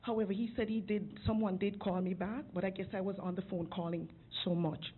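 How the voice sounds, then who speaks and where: A woman's voice: mid-range voice, steady tone, a little fast. A woman making an earnest, emotional public comment at a city council podium microphone. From outside Georgia. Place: city commission chamber. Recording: phone-like lo-fi council recording with faint hiss.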